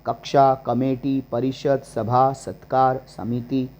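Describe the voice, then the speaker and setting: A man teaching a grammar lesson, slowly listing example words one at a time. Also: mid-range voice, flat delivery, a little mellow. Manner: slow and deliberate, listing examples word by word. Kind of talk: classroom-style grammar lesson.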